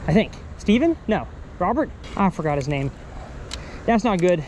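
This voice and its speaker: A Texas fishing vlogger chats casually by an outdoor pond, upbeat and thinking aloud as he fishes. His voice sits high and is very animated and a little mellow, at a normal speed. The outdoor recording carries faint ambient noise.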